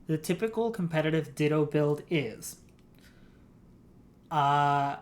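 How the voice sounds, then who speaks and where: A woman's voice: low voice, slow, a little mellow. A woman streaming a game, explaining game mechanics in a rambling, giggly way. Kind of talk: casual gameplay stream chat.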